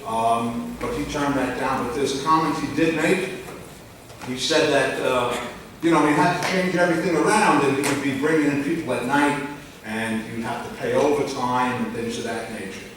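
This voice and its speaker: A man's voice: medium pitch, normal speed, slight background noise. Blunt older man in an echoey hall. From Long Island, New York. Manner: blunt, complaining, loud. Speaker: public commenter. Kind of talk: public comment at a town meeting. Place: large echoey public meeting room. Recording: echoey room audio from far off.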